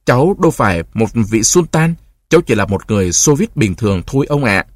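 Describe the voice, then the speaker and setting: A jolly, broad-shouldered oil driller, played by a male reader, friendly and coaxing. He talks a little higher than the narrator, husky and dry, as in a storybook. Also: sing-song, fairly quick, no echo.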